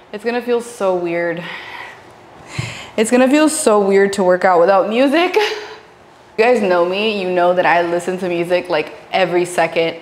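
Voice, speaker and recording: Young woman, chatty and giggly, mixes in Spanish, roomy home gym, faint hum. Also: mid-range voice. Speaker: fitness vlogger. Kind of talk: casual vlog chat to camera. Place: small home gym, indoors. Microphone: lapel mic.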